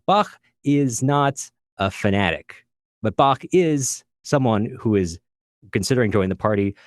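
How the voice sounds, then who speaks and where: A man's voice: lowish voice, lively intonation, unhurried, no echo, studio quality. A man speaking as a podcast co-host in an unscripted literary discussion, earnest and discursive, often correcting himself as he goes.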